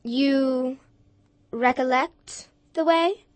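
A woman reading a Christmas tale, voicing a gentle, otherworldly spirit in a calm, measured way. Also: high-pitched, no room sound, pitched above the performer's own voice. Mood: solemn.

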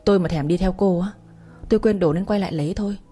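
A woman's voice: fairly low pitch, quick pace, warm tone, breathy edge, soft background music. A woman voicing a smug, pushy young male boss in a spoken story, teasing and insistent.

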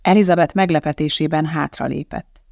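An audiobook narrator reads the novel in a steady, measured way, close to a studio mic. The voice has a gravelly edge, and the recording is dry with no room sound. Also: medium pitch, no room sound.

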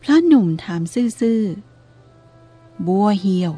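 A woman calmly narrating a story in a measured reading voice. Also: mid-range voice, breathy edge. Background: faint music.

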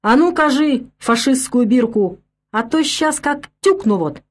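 Drunk coarse peasant man, snarling and bitter, rough country talk, storybook voice, put on by a woman narrator. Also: on the high side, animated, unhurried. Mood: menacing.

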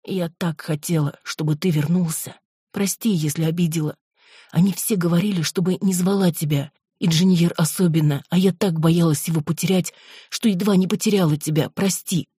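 A man's voice: fairly high pitch, slow, darkish tone, breathy edge, no echo, studio quality, voice pushed up, full character voice. A man voicing a tearful young woman who pleads and sobs, raising his voice for her. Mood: tearful pleading. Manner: sobbing, pleading.

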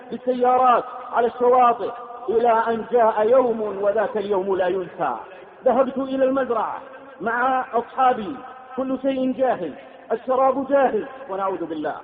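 A man preaching an emotive sermon, sometimes chanting his lines. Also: very high voice. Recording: echoey hall, tinny phone-like sound.

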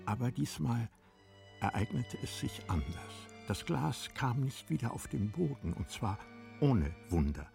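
A man narrating a literary radio drama in a measured, formal storytelling manner. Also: medium pitch, sing-song, creaky, a little mellow, faint music behind.

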